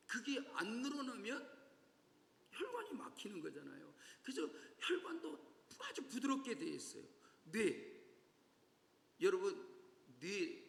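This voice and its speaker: A male pastor giving a sermon in a church, lively and often asking the congregation questions. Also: high-pitched, vocal fry. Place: church sanctuary. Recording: echoey church hall reverb.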